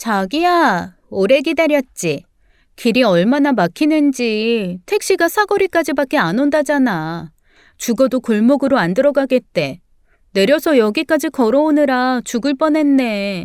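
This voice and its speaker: A woman uses a put-on character voice, high-pitched, nasal and whiny with a whiny tone and a sing-song lilt. She moves at a moderate pace in a very clean recording with a silent background. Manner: coy, whiny, affectionate.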